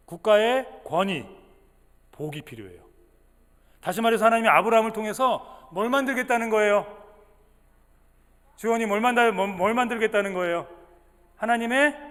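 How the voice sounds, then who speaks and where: A male pastor giving a lively sermon to children, acting out the story's voices and quizzing the kids. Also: high-pitched. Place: church sanctuary. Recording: long church hall reverb.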